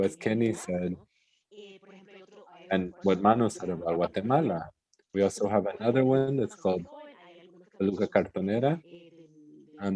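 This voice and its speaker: An interpreter rendering a panel discussion into English live, in halting phrases with pauses. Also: low voice, dark tone, poor audio.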